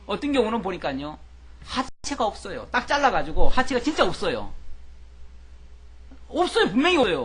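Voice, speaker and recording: Lively, husky-voiced male pastor preaching. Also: very high-pitched. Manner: animated, conversational preaching with rhetorical questions; tells anecdotes to illustrate points. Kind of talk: expository Bible sermon.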